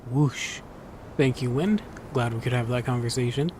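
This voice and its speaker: A man's voice: medium pitch, normal speed, background noise. A man giving casual, wry game commentary as a streamer, at times reading on-screen text aloud. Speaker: gameplay streamer.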